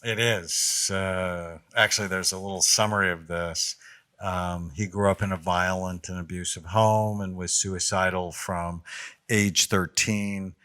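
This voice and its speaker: A middle-aged man co-hosting a podcast, speaking in a measured, thoughtful way. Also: low-pitched, fairly even intonation, pushed and bright. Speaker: podcast co-host. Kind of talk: casual conversational podcast.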